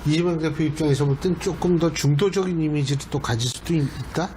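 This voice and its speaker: A man's voice: a little high, fast talker, darkish tone, a little hiss or hum. A man hosting a broadcast interview, asking polite, probing questions. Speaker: talk show host.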